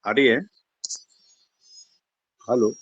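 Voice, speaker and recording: A man addressing an online meeting over a phone or call line. He speaks formally and measuredly, pausing often with drawn-out fillers. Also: medium pitch, fairly even intonation, a bit bright, dry recording. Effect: heard over a phone or online call line. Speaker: meeting participant. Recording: dull, lo-fi, dry call audio.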